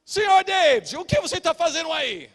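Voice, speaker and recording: A man's voice: very high voice, sing-song, normal speed, a bit bright, big-room sound, pitched above the performer's own voice, heavily acted. A man voicing a blunt, football-mad apartment doorman, teasing and indignant, in a sermon anecdote.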